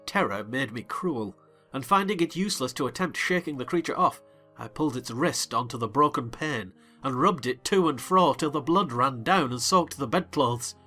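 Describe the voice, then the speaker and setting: A man reading a novel aloud as a dramatized audiobook, theatrical and quick to rise into excited shouts. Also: mid-range voice, soft background music. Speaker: narrator.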